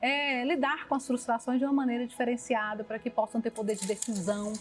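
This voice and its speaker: A woman's voice: on the high side, little pitch movement, fast. A woman with a Brazilian accent answering in an interview, explaining as she goes and often rephrasing. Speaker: theatre company producer. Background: music.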